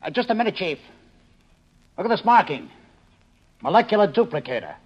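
An actor in a 1950s radio drama playing an insistent, analytical police investigator, earnestly explaining things, on an old recording. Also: male voice, sits high, sing-song, fairly quick, slightly rough, dull audio, heavily acted. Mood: intrigued.

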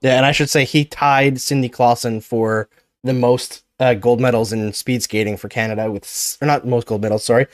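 A man's voice: medium pitch, steady tone, moderate pace, no room sound, studio quality. Earnest man hosting a sports podcast. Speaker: podcast host. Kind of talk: casual sports chat.

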